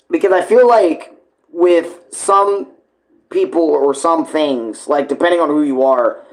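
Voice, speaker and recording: A man's voice: fairly high pitch, poor audio. A man giving casual live reaction commentary, rambling bluntly and informally with heavy swearing. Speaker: reaction streamer.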